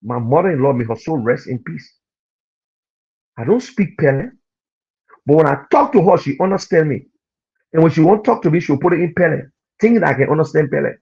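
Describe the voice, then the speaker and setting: A Liberian man with a Liberian accent delivers heated political commentary in a high, swooping voice. His husky tone comes through dull, lo-fi broadcast audio. He hammers home each point by repeating it. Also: expressive, brisk, long pauses, a little mellow. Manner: preachy, scolding, repeats points for emphasis. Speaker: radio and TV commentator.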